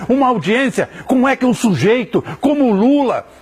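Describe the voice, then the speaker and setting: Over noticeable background noise, a man speaks with an extremely high pitch. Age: 60s. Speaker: political commentator. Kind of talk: political rant. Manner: animated.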